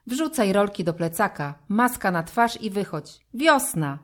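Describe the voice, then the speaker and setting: A woman voicing a lively, loud young boy who bosses his best friend around in a storybook reading. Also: medium pitch, a little slow. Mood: excited.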